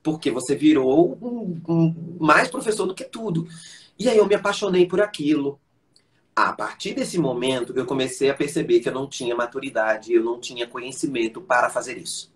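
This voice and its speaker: In a medium-pitched voice at normal speed, a male conductor and voice teacher tells anecdotes as the guest of a live-stream interview. He's an animated narrator, slipping into the voices of the people in his stories.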